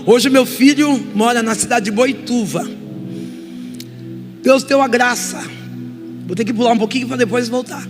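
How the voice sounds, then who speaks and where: A middle-aged woman with a Brazilian Portuguese accent giving an emotional testimony sermon as a guest preacher, moving from soft confession to loud exhortation. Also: fairly high pitch, moderate pace, pauses often. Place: church hall. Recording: reverberant church hall with music.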